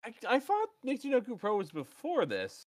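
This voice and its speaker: A man's voice: very high voice, huge pitch swings, normal speed, darkish tone. A man co-hosting a casual wrestling recap podcast, bantering loosely, laughing often and swearing freely. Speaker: podcast co-host.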